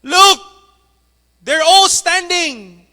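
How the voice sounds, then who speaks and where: A man voicing an adult concert crowd, shouting high and loud at a weeping performer. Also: very slow, heavily acted. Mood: urgent pleading. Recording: echoey church hall.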